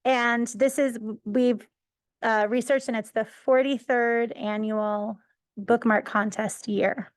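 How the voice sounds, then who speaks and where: Muffled masked woman, librarian presenting in council chambers; informal, corrects herself, somewhat high, close and dry. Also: fairly even intonation, slow pace, no room sound. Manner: informal, self-correcting with small laughs. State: muffled, speaking through a face mask. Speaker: youth services librarian. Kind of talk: presenting at a city council meeting.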